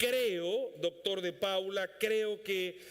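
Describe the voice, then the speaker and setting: This man speaks in a high voice. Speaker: pastor. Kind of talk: sermon. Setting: church. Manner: animated.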